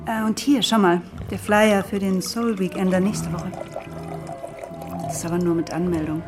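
An actress playing a chatty, curious bartender in a naturalistic radio drama, talking casually and frankly. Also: female voice, fairly low pitch, steady tone, normal speed, natural voice. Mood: friendly, casual. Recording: music playing behind the voice.

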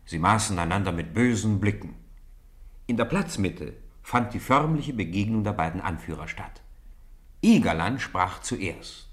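A man's voice: on the low side, measured pace. A man narrating a children's radio play as a scripted, theatrical storyteller. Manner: theatrical, animated delivery.

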